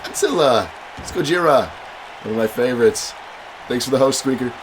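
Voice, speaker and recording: A man's voice: medium pitch, animated, moderate pace. A man with a stuffy head cold, hosting a livestream, chatting casually with viewers and calling matches. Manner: chatty, reads donations and chat aloud. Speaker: livestream host and commentator. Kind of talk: casual stream chat with match commentary. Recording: loud music and crowd behind. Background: loud game music and crowd noise.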